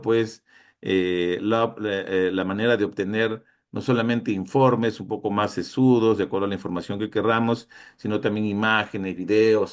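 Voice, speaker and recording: A man giving a conference lecture, pausing often with fillers and restarts as he explains. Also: lowish voice. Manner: hesitant, many fillers and restarts.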